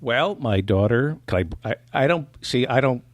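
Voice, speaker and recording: A middle-aged man from New Jersey, a comedian guest on a casual podcast, trading sardonic, self-mocking jokes in a dry deadpan. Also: mid-range voice, moderate pace, no room sound.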